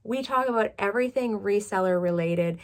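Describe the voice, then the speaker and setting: A chatty woman in her thirties talks to her viewers like a favorite coworker. Her voice sits at an ordinary middle pitch, and she keeps an upbeat, easygoing flow full of casual "like"s. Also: fairly quick. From Canada. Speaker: YouTube reselling channel host. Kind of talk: casual chatty work-with-me vlog.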